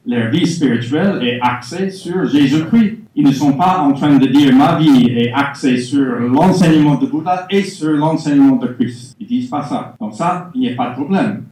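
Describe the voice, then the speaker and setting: A male conference speaker answering audience questions in a measured, explanatory way, with frequent pauses. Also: mid-range voice, a little mellow. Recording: echoey hall, far from the mic.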